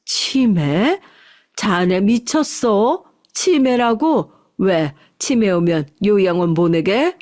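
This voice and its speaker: A woman's voice: medium pitch, animated, takes it slowly, a little mellow, dry recording, studio quality. A woman doing a defiant older mother-in-law. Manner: defiant, feigning innocence. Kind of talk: radio story reading.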